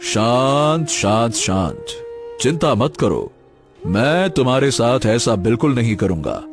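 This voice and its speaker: An actor voicing a wise, mysterious old hermit sage in a cartoon story, speaking calmly and soothingly. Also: male voice, mid-range voice, over music. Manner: calm, soothing, measured.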